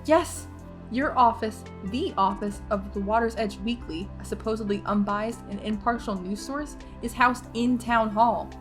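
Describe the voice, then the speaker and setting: High-pitched, bossy, earnest schoolgirl played by a woman. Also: unhurried, soft background music, lightly acted. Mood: indignant. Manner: emphatic, lecturing. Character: earnest, opinionated, talkative schoolgirl, bossy and eager. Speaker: podcast drama actress. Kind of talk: audio drama acting.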